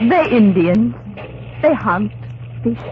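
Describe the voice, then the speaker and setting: An actress playing a determined Native American wife and guide who speaks halting broken English in an old radio drama. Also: female voice, fairly high pitch, lively intonation, noisy background. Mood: earnest. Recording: tinny old radio recording, music behind.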